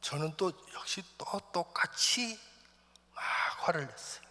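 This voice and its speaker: A man's voice: high-pitched, lively intonation, measured pace. Impassioned male preacher in a reverberant hall. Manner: emotional, swinging from loud cries to hushed whispers. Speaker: missionary preacher. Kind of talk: sermon testimony. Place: church sanctuary. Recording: long church hall reverb.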